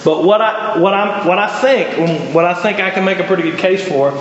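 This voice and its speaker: Southern man, high voice, folksy bible class teacher, very echoey room, dull lo-fi audio. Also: normal speed, slight background noise. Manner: conversational, folksy, asks the class questions. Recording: echoey hall, dull lo-fi sound.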